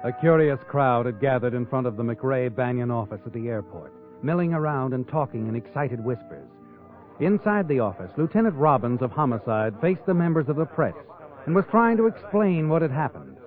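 A man's voice: medium pitch, animated, a little fast, lightly acted. Man as a taunting old-time radio narrator, tinny sound. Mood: grave. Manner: taunting, knowing, insinuating. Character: sly omniscient male narrator taunting a guilty man. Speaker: narrator and host. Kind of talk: 1940s radio drama narration in second person. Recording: muffled old radio broadcast with music.

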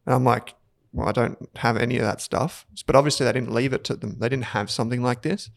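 A man co-hosting a finance podcast, talking in a relaxed, conversational way. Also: medium pitch, quick pace, creaky, dry recording, clean studio sound. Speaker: podcast co-host. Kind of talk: casual finance podcast chat.

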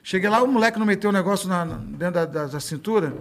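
A man's voice: high voice, racing, vocal fry. A Brazilian man, telling a story in casual chat and acting out the voices he quotes.

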